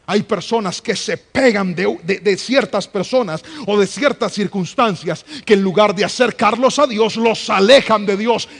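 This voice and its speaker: A preacher with a high voice delivers a sermon to a congregation. He builds repeated lines to emphatic peaks and calls for the crowd to respond. His voice rings out with a long reverb tail from a large church hall. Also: normal speed, vocal fry, hardly any pauses. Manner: rising into emphatic, near-shouted refrains; asks the congregation to respond and raise hands.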